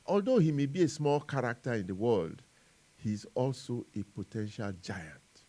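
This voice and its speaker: A Nigerian man delivers a scripted radio column in a mid-pitched voice. He phrases things deliberately, leaning on key words and leaving dramatic pauses, like a columnist reading his own editorial. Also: lively intonation, dark tone.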